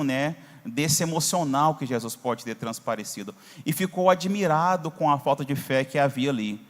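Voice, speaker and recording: A man with a Brazilian Portuguese accent, a pastor teaching a Bible class in a conversational way, often checking in with the class. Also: mid-range voice. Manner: conversational, asks for verses on screen, frequent "tá?". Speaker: Sunday school teacher, pastor. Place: church hall. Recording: hall reverb.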